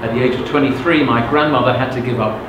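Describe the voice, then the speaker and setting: A man's voice: medium pitch, steady tone, quick pace. Frank middle-aged man, very echoey room. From England. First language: Russian. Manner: frank and conversational, often checking if listeners follow. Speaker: motivational speaker. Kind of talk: personal storytelling to a live audience. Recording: very echoey room with background noise.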